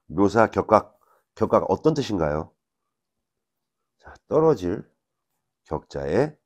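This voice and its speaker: A man teaching fortune-telling, explaining step by step in a measured lecture and asking rhetorical questions as he writes on a board. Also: low voice, dark tone.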